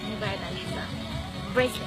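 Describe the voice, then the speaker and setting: A woman's voice: medium pitch, lively intonation, very fast. A woman chatting casually as a quiz guest, offering short, questioning guesses. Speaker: guest guessing the meanings of words. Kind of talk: casual chat. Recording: music in the background. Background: music.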